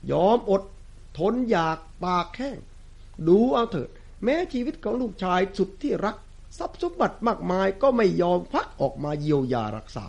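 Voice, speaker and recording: A man voicing a stingy, miserly old brahmin father in a told story, gruff when scolding and rueful when musing. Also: high voice, a little mellow, exaggerated voice. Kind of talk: storytelling within a sermon.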